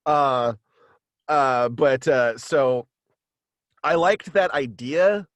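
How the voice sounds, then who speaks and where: A young man chatting casually as an interview guest, halting and rambling as he explains, on a close studio mic. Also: mid-range voice, lively intonation, a bit bright, no room sound. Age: young adult. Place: small indoor room with acoustic padding, video call. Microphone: close studio mic, headphones.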